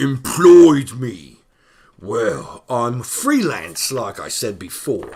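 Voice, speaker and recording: Very slowly, someone speaks in a put-on character voice. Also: man, medium pitch for a man. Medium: actual play. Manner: mocking, insolent.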